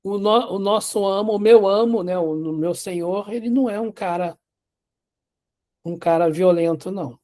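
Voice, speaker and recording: Man doing a gentle servant woman, confiding and soothing, mellow. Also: sits high, moderate pace, lightly acted. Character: kindly female servant comforting a girl.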